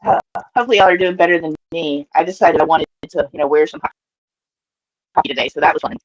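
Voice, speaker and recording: A woman's voice: sits low, fast, a little hiss or hum. A woman chatting casually on a video call through a headset, her audio choppy and breaking up. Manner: chatty, laughs easily. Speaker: co-host on a live video call. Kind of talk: casual chat. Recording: dull, muffled call audio.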